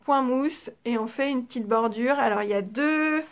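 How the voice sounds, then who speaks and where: A woman hosting a knitting podcast in casual show-and-tell chat, with a French accent, chatty and relaxed, with many fillers and trailing asides, talking toward a camera. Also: fairly high pitch, normal speed. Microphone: camera facing the speaker.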